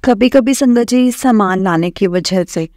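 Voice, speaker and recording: A woman's voice: mid-range voice, a little slow, a little mellow, no room sound, studio quality. A young woman earnestly sharing a personal story with a congregation, talking conversationally with many fillers. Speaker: satsang devotee sharing her story. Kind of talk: personal testimony told to a congregation.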